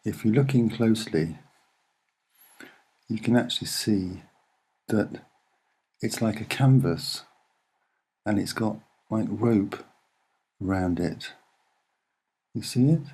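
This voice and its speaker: Soft-spoken, slow man with a low voice. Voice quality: soft-spoken, slightly husky. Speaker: online video presenter. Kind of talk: soft-spoken explanatory commentary on images.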